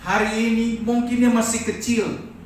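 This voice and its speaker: A man's voice: extremely high pitch, little pitch movement, normal speed, slight background noise. A man preaching a sermon as pastor, calling for amens from the congregation. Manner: preaching with call-and-response amens. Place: church hall. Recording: echoey church hall from far off.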